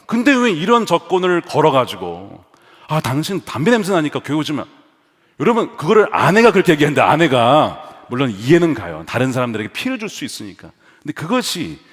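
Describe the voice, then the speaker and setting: Man, pastor, animated sermon, rather high voice, swooping intonation, long hall reverb. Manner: animated preaching with humor and acted-out quotes. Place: large church sanctuary.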